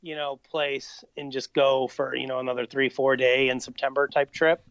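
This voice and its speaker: A man's voice: medium pitch, little pitch movement, normal speed, gravelly, a bit bright, no room sound, muffled recording. A man in his late thirties, chatting casually as a podcast co-host, easygoing and rambling with lots of fillers. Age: 30s. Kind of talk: casual chat.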